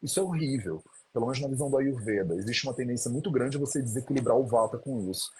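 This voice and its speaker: A somewhat breathy man at medium pitch with ordinary pitch variation and a very fast pace. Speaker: Ayurveda practitioner. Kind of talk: live-stream interview. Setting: live online stream. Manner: conversational, animated.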